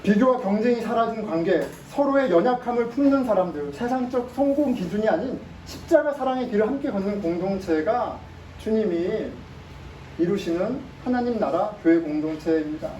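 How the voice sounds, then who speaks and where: Pastor preaching in an echoey sanctuary. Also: male voice, sits high, animated, normal speed, dark tone, a little hiss or hum. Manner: emphatic, asks the congregation rhetorical questions. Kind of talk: sermon. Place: church sanctuary. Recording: echoey room, mic at a distance.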